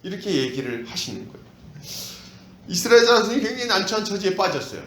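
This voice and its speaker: A man's voice: sits high, fast talker, background noise. A male pastor preaching an expository sermon and asking the congregation questions, in an echoey church hall. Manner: animated, asks the congregation questions.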